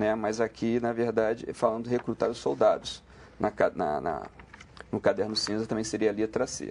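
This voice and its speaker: Amid noticeable background noise, a man talks at a moderate pace and medium pitch with ordinary pitch variation. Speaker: English teacher. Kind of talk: exam commentary. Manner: halting.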